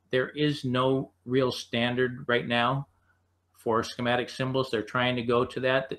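American man teaching, halting explanatory delivery. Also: mid-range voice, fairly bright tone. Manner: explanatory, halting, stepwise phrasing. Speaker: HVAC instructor. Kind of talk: unscripted slide lecture.

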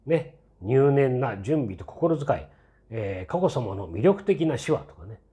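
A man in his sixties talks through a casual commentary for his channel, rambling with plenty of fillers and asides. His tone is mellow and low in brightness, but his pitch jumps around animatedly. He sounds skeptical, with a lightly mocking edge. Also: big pitch swings, a little slow. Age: 60s. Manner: chatty and rambling, many fillers and tag asides. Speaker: channel host.

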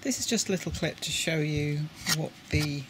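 Seated indoors at a table with a model railway, a British man with a British English accent explains how he lit his model coaches in a casual tutorial. He often repeats words while handling the parts. His voice is a little high at normal speed, with background noise.

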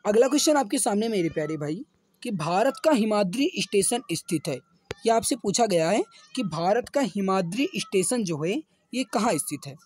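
A man with a slightly hoarse throat teaching exam questions online, repeating himself and addressing viewers as dear friends. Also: high voice, expressive, moderate pace, a little mellow. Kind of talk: online quiz lesson with answers explained.

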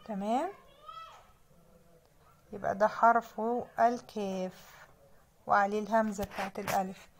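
A young woman with an Egyptian accent teaching children to read, sounding out letters and words slowly and patiently. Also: medium pitch, little pitch movement, slight background noise. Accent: Egyptian Arabic. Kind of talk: children's reading lesson.

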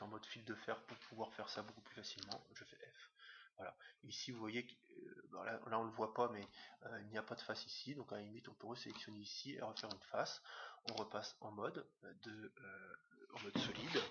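A man teaching a screen-recorded software tutorial, talking fast and hesitantly with many fillers. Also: lowish voice. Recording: dull lo-fi mic with faint hiss.

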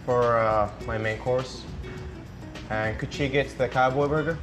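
A man's voice: medium pitch, steady tone, slow pace, a bit bright, soft background music. A man playing an easygoing young man ordering food at a diner in a scripted course-video dialogue. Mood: casual.

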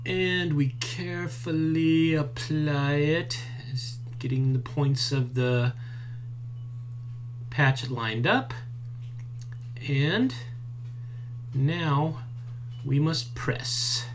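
A man in his fifties explaining a craft step by step in a relaxed, chatty way, with plenty of fillers. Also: on the high side, drawn-out words, pauses often, a little hiss or hum. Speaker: maker teaching a craft. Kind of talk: hands-on tutorial. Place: indoors at a workbench, later outdoors by a farm fence.

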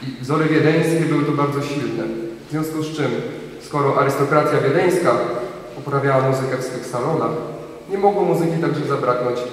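A young man hosting a concert, giving a measured, lecturing introduction read from notes on stage. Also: mid-range voice, a little hiss or hum. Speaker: concert host. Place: large concert hall, on stage. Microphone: stand mic, recorded from far in the hall. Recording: very echoey hall from far off.

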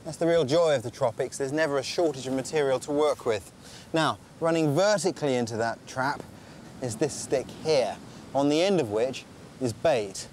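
A man presenting a survival documentary outdoors on a tropical island. He calmly explains and demonstrates each step. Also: medium pitch, moderate pace, a little hiss or hum. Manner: calm, explanatory, tells and shows step by step. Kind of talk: documentary narration and on-location demonstration.

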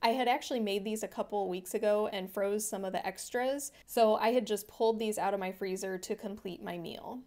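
A woman's voice: mid-range voice, a little fast, few pauses, darkish tone. Woman doing a voiceover for her cooking vlog, friendly and chatty, explains every step. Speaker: vegan cooking channel host. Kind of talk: voice-over narration of a cooking video.

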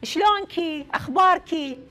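In a TV studio with music, a young woman presents a call-in game show in a lively, playful, effusive style, repeating her phrases often. She has an Iraqi Arabic accent and a very high, bright, forceful voice at normal speed.

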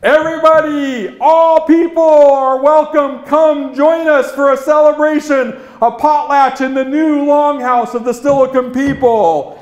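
A man's voice: high-pitched, slow pace, echoey room, dull audio, voice pushed up. A man voicing a proud, easily exasperated male tribal leader hosting a feast in an oral folktale. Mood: proud, welcoming. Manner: loud, declarative calling out. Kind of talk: oral storytelling character.

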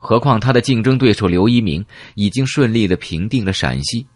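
A man's voice: fairly low pitch, animated, a little fast, no room sound. A man narrating a novel as an audiobook in a dramatic storytelling manner, dropping to a whisper for grim details.

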